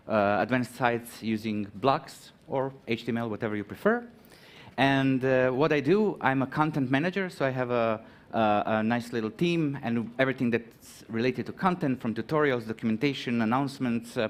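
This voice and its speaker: A man's voice: mid-range voice, moderate pace. Hesitant man from Croatia giving a talk. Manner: hesitant, many ums and restarts. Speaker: conference speaker. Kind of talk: conference talk. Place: conference hall.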